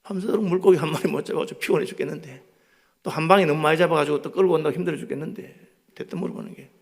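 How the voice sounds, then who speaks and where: Gravelly preacher with a Gyeongsang accent. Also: male voice, a little high, racing. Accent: Gyeongsang Korean. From Gyeongsang, South Korea. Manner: animated storytelling, swinging from loud to hushed. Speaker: guest revival preacher. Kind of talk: sermon.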